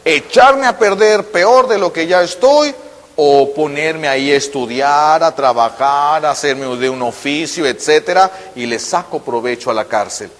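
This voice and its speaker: A man's voice: on the high side, animated, unhurried, fairly bright tone, big-room sound. A man preaching a sermon, telling stories and acting out the voices in them. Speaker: priest.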